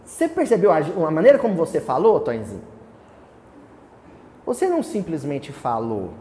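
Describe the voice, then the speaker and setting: A man's voice: fairly high pitch, wildly swooping pitch, moderate pace, dark tone. A man with a Brazilian accent teaching a small study group. He keeps asking the group questions, answers them himself, and declaims the verses he quotes. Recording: reverberant hall with faint hiss.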